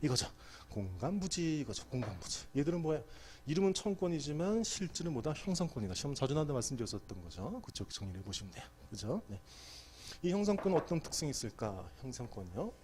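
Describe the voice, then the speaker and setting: A man's voice: fairly high pitch, sing-song, fast talker, a little mellow. A middle-aged man giving an exam prep law lecture, quizzing students and answering his own questions.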